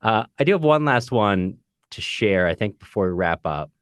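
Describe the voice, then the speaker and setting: A man with a low voice co-hosts a book podcast. He speaks in a casual, conversational way, and the sound is dry, with very little room in it. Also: expressive, normal speed, clear, resonant tone, dry recording. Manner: reads listener comments aloud. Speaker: podcast co-host.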